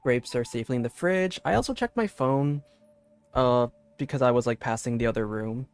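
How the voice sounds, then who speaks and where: Male game streamer, mid pitch, casual livestream chat, faint music behind. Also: normal speed, clear, resonant tone.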